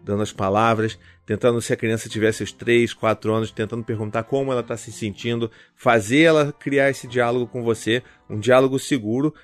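A man's voice: medium pitch, fairly even intonation, a little fast, hardly any pauses, faint music behind. A man giving casual parenting advice in a conversational vlog, explaining with acted-out examples. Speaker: parenting vlogger. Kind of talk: casual direct-to-camera advice.

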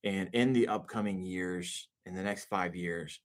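Low-voiced man, confident and emphatic. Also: unhurried. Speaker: podcast guest. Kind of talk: casual podcast chat.

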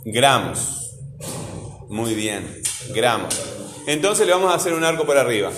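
A man's voice: mid-range voice, very animated, measured pace, crowd noise. A man teaching a class, firm and insistent, often checking in with "¿verdad?". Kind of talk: classroom teaching and scolding a student. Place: school classroom. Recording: echoey classroom.

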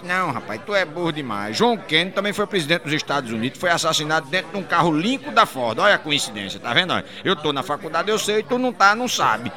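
This is a man telling a run of jokes. His voice sits a little high. He slips into the characters' voices as he goes. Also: fast, hardly any pauses, crowd noise. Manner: lively storyteller, drops into character voices and laughs at his own punchlines. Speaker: joke teller.

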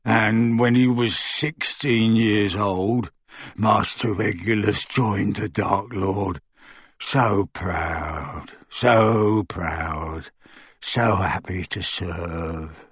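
A man voicing a wretched, servile old male house-elf with a croaking voice, speaking slowly and pleadingly in an audiobook. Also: lowish voice, dry recording, pitched below the performer's own voice, exaggerated voice. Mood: mournful. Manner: slow, pleading, sobbing in distress. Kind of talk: audiobook character voice.

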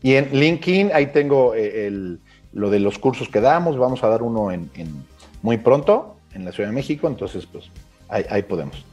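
A man's voice: mid-range voice, animated, normal speed, darkish tone, soft background music. A man, a coach and interview guest, explaining informally with examples and rhetorical questions.

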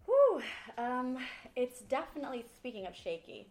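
A woman from Sweden, a podcast guest, telling her story in a lively, candid way. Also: high-pitched, moderate pace, reverberant. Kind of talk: casual interview talk.

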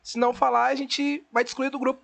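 A man guesting on a live podcast, animated and teasing as he tells quick stories about his family. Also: very high voice, vocal fry. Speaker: band member guest. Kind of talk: casual live podcast chat.

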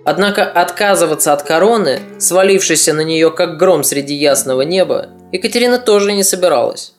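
A podcast narrator giving a scripted historical narration, measured storytelling with ironic asides. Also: medium pitch, faint music behind.

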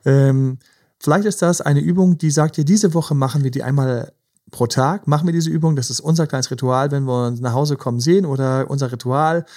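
Gravelly, mellow-voiced male podcast host. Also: medium pitch, brisk. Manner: gentle, advising, many fillers. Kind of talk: casual podcast chat about relationships.

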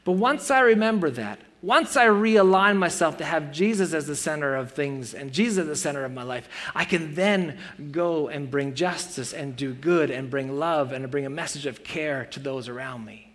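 Guy in his 40s giving a church sermon, kinda high voice, chatty and earnest, jokes at himself. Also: moderate pace, few pauses, fairly bright tone. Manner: earnest, conversational with playful self-mocking asides. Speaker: pastor.

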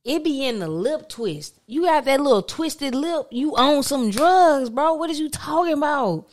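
A woman's voice: high voice, animated, a little slow. Teasing, blunt woman podcast host. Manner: blunt, teasing, laughs often. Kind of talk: casual podcast chat.

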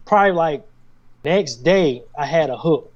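A man's voice: fairly high pitch, expressive, a little slow, dull audio. A male singer talking casually as a guest, laid-back and chatty, often laughing. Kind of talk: casual conversation.

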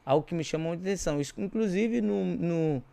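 A man's voice: high-pitched, fast talker, creaky, dark tone. A man with a Brazilian accent chatting casually as an interview guest, telling stories in slangy, informal speech. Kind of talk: casual chat, animated storytelling.

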